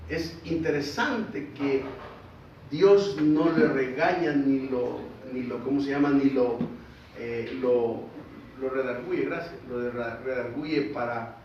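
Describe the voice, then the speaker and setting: A man's voice: medium pitch, fairly even intonation, slow, a little hiss or hum. A man, preaching a sermon as pastor in a conversational style and putting questions to the congregation. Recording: distant echoey hall, dull sound.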